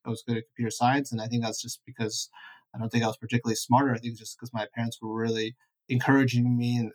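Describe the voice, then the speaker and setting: A middle-aged man, born in Ukraine and raised in Canada, answering interview questions in a thoughtful, measured way. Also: mid-range voice, low-quality recording. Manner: thoughtful, measured, self-correcting. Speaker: guest entrepreneur.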